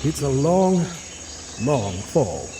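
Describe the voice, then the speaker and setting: A man's voice: medium pitch, very animated, drawn-out words, warm tone, slight background noise. A man playing an erudite, genial mutant scientist in an audio drama, speaking in a florid, pompous, theatrical manner with bookish words. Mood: jolly, encouraging. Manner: florid, pompous, bookish vocabulary with emphatic delivery. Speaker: scientist guide.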